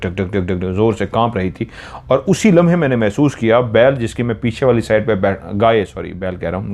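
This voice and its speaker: A man's voice: mid-range voice, a little mellow. A man retells a horror story dramatically, correcting himself as he goes.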